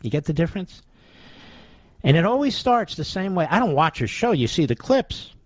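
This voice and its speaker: A man's voice: a little high, sing-song, moderate pace, no room sound. A man hosting a talk radio show, delivering a sarcastic, combative opinion monologue. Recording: dull lo-fi dry sound.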